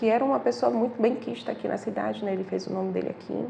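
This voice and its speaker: A woman is speaking. The room gives her voice an audible echo. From Brazilian Northeast (Bahia, Pernambuco, Alagoas). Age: 40s. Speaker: abuse survivor interviewed on a social program. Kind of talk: personal testimony in an interview. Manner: halting at times.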